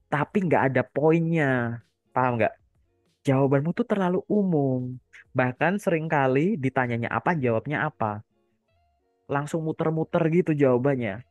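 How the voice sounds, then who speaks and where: A man speaking as a career coach in a relaxed, casual chat, trailing off his sentences with soft fillers. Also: medium pitch, dry recording.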